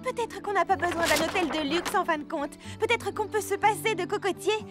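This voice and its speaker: A woman voicing an earnest, perfectionist young girl in an expressive way for a French children's cartoon. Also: very high voice, a little fast, music in the background. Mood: hopeful, bright. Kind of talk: French animated series dubbing for children.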